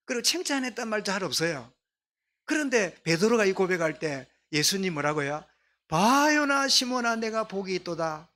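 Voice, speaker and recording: High-voiced Gyeongsang pastor preaching. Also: male voice. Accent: Gyeongsang Korean. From Gyeongsang, Korea. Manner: soft-spoken for his dialect, leads congregation in responses. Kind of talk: sermon. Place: church sanctuary.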